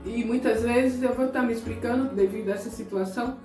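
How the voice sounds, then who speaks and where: A middle-aged Brazilian woman preaches to her viewers in a direct, conversational way. She is emotional and close to tears at times, and her voice is mellow. The room is echoey, with soft guitar music behind her. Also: on the high side, brisk, distant mic. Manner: conversational, addresses listeners directly. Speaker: evangelical preacher. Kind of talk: sermon-style talk to viewers.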